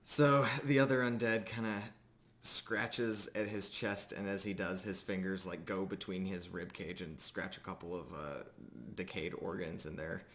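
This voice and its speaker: A man narrating a tabletop fantasy game as game master, improvising descriptions in a measured way with pauses. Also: sits low, steady tone, fairly bright tone.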